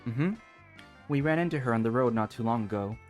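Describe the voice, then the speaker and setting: An actor playing a cool, blunt young man in a video game, speaking in a measured, deadpan way. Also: medium pitch, soft background music, natural voice. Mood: calm, dry. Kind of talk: video game character acting.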